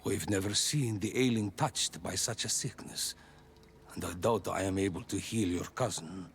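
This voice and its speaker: A man's voice: sits low, normal speed. A man playing an authoritative tribal healer priest in a video game, solemn, formal and commanding. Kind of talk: video game cutscene acting.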